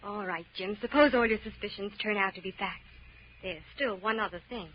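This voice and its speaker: A woman's voice: medium pitch, a little fast, lightly acted. A muffled, lightly hissy vintage radio recording features a woman acting a detective's faithful female companion. She is polite and ladylike, full of questions, with a slightly anxious edge in classic 1940s serial style. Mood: curious. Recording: dull, faintly noisy old radio recording.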